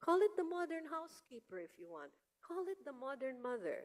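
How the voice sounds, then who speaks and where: A woman talks with very wide pitch swings. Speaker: keynote speaker, food historian. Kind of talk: lecture. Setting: lecture hall with audience. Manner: slow; animated.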